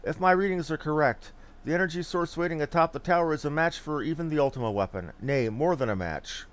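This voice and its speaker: A man's voice: a little high, a little fast, natural voice. A man voicing an ambitious, self-important villain in a fantasy game, with grandiose, archaic phrasing. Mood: smug. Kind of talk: fantasy game dialogue read aloud.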